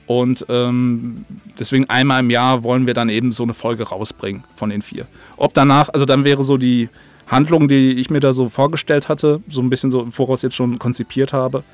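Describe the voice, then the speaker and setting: A man's voice: mid-range voice, steady tone, moderate pace, no room sound. A man talking casually as a podcast guest, explaining in a rambling, colloquial way. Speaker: guest, audio drama writer and producer. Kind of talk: casual podcast interview talk.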